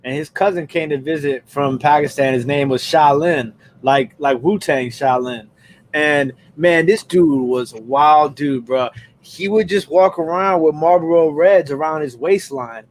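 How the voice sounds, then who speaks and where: A man's voice: on the high side, measured pace, slight background noise. A man telling rambling stories in a casual group chat. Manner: rambling storyteller, laughs a lot.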